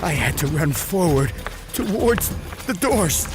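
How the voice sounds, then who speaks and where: An actor playing a terrified, dying man who tells his horror story in a strained, halting way. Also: sits high, lively intonation. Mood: desperate, frightened. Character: terrified, dying man trapped with giant snake. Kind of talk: dramatized horror audio narration. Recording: music under the voice.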